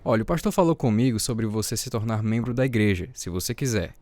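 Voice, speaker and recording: Radio drama father male actor, Brazilian, earnest and proud, fast delivery, dry close sound. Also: fairly low pitch, lively intonation, a little mellow, no echo, close to an everyday voice. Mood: proud, encouraging. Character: proud, devout, gentle father of a boy. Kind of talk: dramatized radio story acting.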